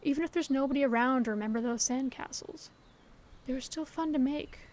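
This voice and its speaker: A woman acting a gentle, hopeful best friend in an audio roleplay, talking to the listener in an earnest, reassuring, conversational way. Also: high voice, brisk, lightly acted. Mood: tender, hopeful. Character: gentle, hopeful female best friend comforting her secret crush. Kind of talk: scripted audio roleplay, intimate one-sided dialogue to the listener.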